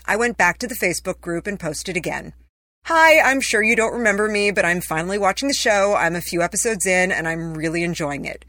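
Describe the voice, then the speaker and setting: A woman's voice: mid-range voice, fairly bright tone, no room sound, studio quality. A woman reading her own personal essay as scripted narration, in a conversational, wry storytelling way.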